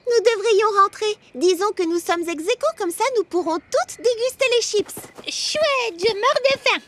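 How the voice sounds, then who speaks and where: A woman's voice: very high voice, lively intonation, measured pace, a bit bright, a little hiss or hum, exaggerated voice. A woman voicing a sweet, cheerful little girl who runs a café in a children's cartoon, upbeat and friendly. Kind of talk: animated children's cartoon dub. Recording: background music under the dialogue.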